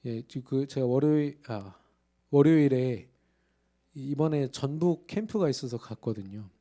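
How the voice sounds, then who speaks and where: A man's voice: medium pitch, expressive, a little slow, mellow. A male pastor preaching in church, emphatic and full of rhetorical questions to the congregation. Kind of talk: sermon.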